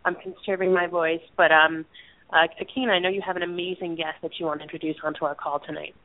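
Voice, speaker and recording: A woman's voice: on the low side, flat delivery, quick pace, no echo. A woman co-hosting a podcast, upbeat and chatty though she is losing her voice, calling in from a hotel balcony. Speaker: co-host. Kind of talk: casual chat. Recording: phone-line sound, dry.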